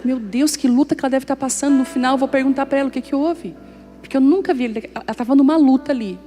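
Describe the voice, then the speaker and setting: Woman pastor, higher-pitched mellow voice, preaching with jokes and acted-out dialogue, soft music behind. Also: rapid-fire. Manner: lively, humorous, acts out dialogue in anecdotes. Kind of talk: storytelling sermon. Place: church service before a congregation.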